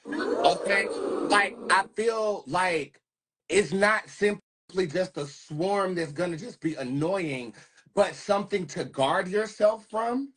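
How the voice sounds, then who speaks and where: A man's voice: high voice, animated, takes it slowly, fairly bright tone, poor audio. A man speaking casually and earnestly as he hosts a spiritual tarot reading, with an emphatic, conspiratorial manner. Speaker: tarot reader and host.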